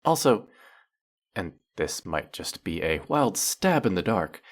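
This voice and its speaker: Man playing a low-voiced, sarcastic, teasing male faerie. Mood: teasing, curious. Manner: dry sarcasm, playful scolding, theatrical swoops. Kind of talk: scripted roleplay audio monologue addressed to the listener.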